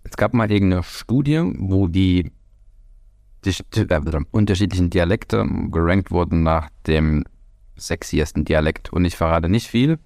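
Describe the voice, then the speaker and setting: A man's voice: deep voice, a little slow, darkish tone, no room sound, studio quality. A man from Franconia with a Hessian accent, co-hosting a casual podcast chat from a home party room, wry and talking in stops and starts. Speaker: podcast co-host.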